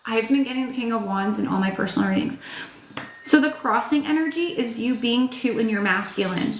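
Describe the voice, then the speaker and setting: A woman in her thirties, voice a little high and tired and beginning to crack, does a casual tarot reading a little fast. She's frank, chatty, and swears, peppering her speech with "like" and "um," in an echoey room with slight background noise.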